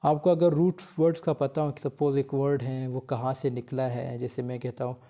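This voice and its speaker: A man teaching English spelling as a grammar teacher, reading English points slowly and explaining them quickly in Hindi. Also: medium pitch, flat delivery, dark tone. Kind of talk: explaining a lesson, switching between Hindi and English.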